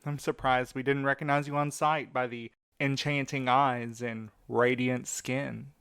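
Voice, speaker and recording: A man playing a smooth-voiced, teasing courier. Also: medium pitch, little pitch movement, unhurried, a bit bright, no echo, clean studio sound. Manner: dramatic, teasing. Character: playful, squeamish, teasing young man courier. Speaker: voice actor. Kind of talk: audio drama acting.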